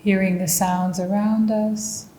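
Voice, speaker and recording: A woman leading a guided mindfulness meditation, speaking calmly and gently. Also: medium pitch, echoey room. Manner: slow, calm and gentle instruction.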